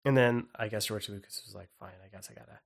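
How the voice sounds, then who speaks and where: A man's voice: fairly low pitch, fast, creaky. Rambling man in casual podcast chat. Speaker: podcast co-host.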